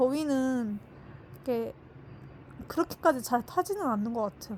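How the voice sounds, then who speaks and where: Soft-spoken, with lively intonation at a moderate pace. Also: woman, high pitch for a woman. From provincial South Korea. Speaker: vlogger. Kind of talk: casual monologue. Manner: trying to speak softly; halting, self-correcting.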